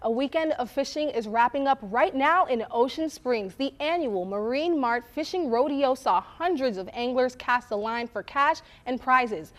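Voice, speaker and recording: A woman's voice: high-pitched, expressive, moderate pace, hardly any pauses. A woman reading scripted local news as an anchor at a studio desk.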